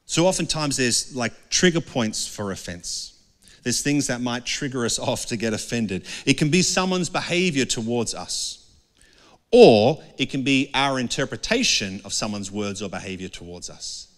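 Middle-aged pastor, earnest and chatty, mid-pitched voice, long hall reverb. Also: male voice, expressive, moderate pace. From Australia. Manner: conversational, earnest, asks the crowd questions. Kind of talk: sermon. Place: dark indoor stage with a couch. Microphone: handheld mic.

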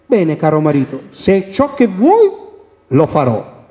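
A man voicing a clever, gentle queen who speaks calmly and kindly. The recording is a dull radio recording with long reverb. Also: a little high, unhurried.

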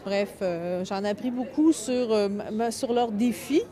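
A woman with a Quebec French accent, a community organization coordinator, talking quickly with restarts. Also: mid-range voice, warm tone. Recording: crowd chatter behind.

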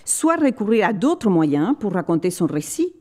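A woman speaking at a library conference, giving an academic lecture in a measured, explanatory way and pausing often to search for words. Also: medium pitch, sing-song, mellow.

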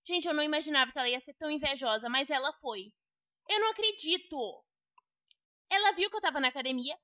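A woman's voice: extremely high pitch, sharp tone, no echo. A young woman with a Brazilian Portuguese accent giving gossipy, indignant role-play commentary on a game to her viewers. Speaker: Roblox gamer.

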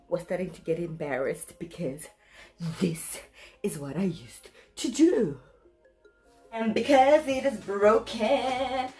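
A woman in her thirties chatting casually to viewers in a playful, animated, self-mocking way, recorded at home a step from the camera. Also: medium pitch. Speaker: vlogger. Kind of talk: casual chatty unboxing vlog. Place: room at home.

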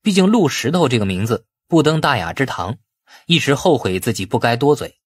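A man's voice: mid-range voice, big pitch swings, brisk, slightly rough, dry recording. A man narrating a novel as a scripted audiobook, telling the story expressively.

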